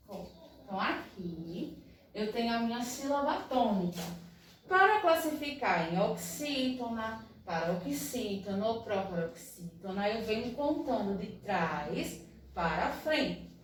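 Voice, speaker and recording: A patient woman teacher talks slowly and carefully to young pupils, sounding each syllable apart. Her voice sits a little high and rings around a very echoey room, picked up from some distance. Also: sing-song, slight background noise. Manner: slow, patient, spells out syllables one by one. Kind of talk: recorded primary-school review lesson.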